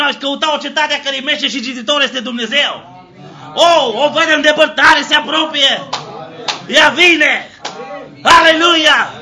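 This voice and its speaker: High, bright-voiced man preaching loudly. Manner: shouting exclamations of Hallelujah, call-and-response questions; swings between loud shouting and low quiet passages. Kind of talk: fiery Pentecostal-style sermon.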